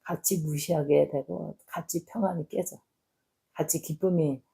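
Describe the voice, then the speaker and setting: An older woman pastor giving a casual spoken testimony, chatting warmly and acting out scolding and praise in quoted asides. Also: deep voice, gravelly, slightly rough, rough recording.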